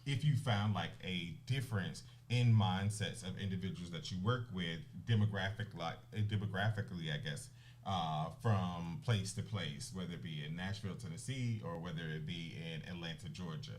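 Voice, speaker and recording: A man's voice: deep voice, moderate pace. A man hosting an interview, casual and chatty with lots of affirming fillers. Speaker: podcast host.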